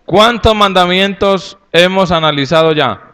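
Un pastor con acento colombiano que predica a su congregación en tono campechano y jocoso, con preguntas directas al público. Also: male voice, sits high, a little slow, clear, resonant tone. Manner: folksy and humorous, with lively asides to the audience. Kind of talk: sermon to a congregation.

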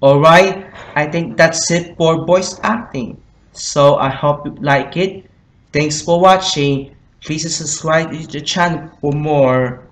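A high-voiced man talks casually to viewers of his amateur video. His phrasing is slow and halting, and the room echoes around him. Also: fairly bright tone. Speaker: amateur voice actor, video host. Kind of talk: casual video intro and sign-off.

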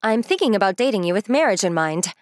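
A woman's voice: mid-range voice, sing-song, quick pace, slight background noise, lightly acted. A woman voicing a proud, blunt young rich woman in a manga dub, self-assured, matter-of-fact and teasing. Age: young adult.

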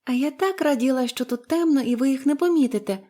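A woman voicing a cheerful, chatty young orphan girl who talks eagerly and gushes in a storybook reading. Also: fast. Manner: eager, gushing, high and bright.

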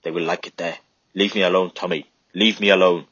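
A man's voice: deep voice, flat delivery, fast talker, fairly bright tone, breathy edge, no echo. A man voicing a bitter, grieving man who turns away the soldiers, in a storybook reading. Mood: bitter grief. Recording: dull lo-fi recording.

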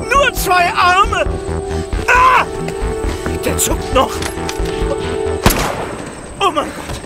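A male actor playing a jittery, skeptical friend in a German horror radio drama, speaking haltingly and repeating phrases. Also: very high-pitched, full character voice. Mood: shaken, horrified. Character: jittery, skeptical male film-business friend of a demon hunter.

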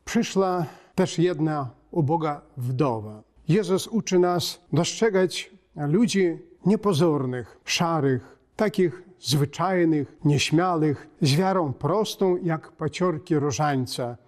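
A middle-aged man, a priest, delivering a short homily in a measured, solemn way, in short phrases with pauses. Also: a little high, a little mellow. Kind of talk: short homily, read from notes. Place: inside a wooden church.

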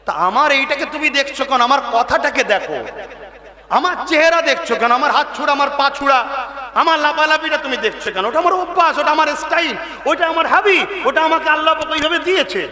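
Fiery high-voiced preacher shouting to a crowd. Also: male voice. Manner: shouting, impassioned, rhetorical questions to the crowd. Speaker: Islamic preacher. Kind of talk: fiery open-air sermon. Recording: echoey loudspeaker sound with long reverb.

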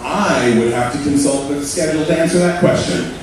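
A man's voice: fairly high pitch, fairly quick. A man moderating a live panel on a stage, speaking into a handheld mic in a rambling, friendly, self-deprecating way. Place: stage in a large auditorium. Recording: echoey hall, distant mic, noisy.

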